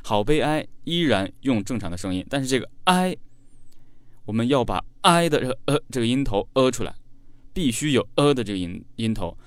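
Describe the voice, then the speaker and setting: A man's voice: mid-range voice, very animated, fairly quick, clear, resonant tone, dry recording. A man teaching a singing lesson, explaining technique step by step with frequent filler sounds. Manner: talks learners through each line step by step, with frequent fillers. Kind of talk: vocal coaching lesson.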